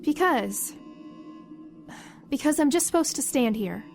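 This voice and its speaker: Puzzled young fantasy heroine, highish voice with vocal fry, hesitant and plain-spoken, for audio drama. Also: female voice, animated, measured pace, faint music behind, heavily acted. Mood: annoyed. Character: bewildered, deferential young woman lost in Wonderland.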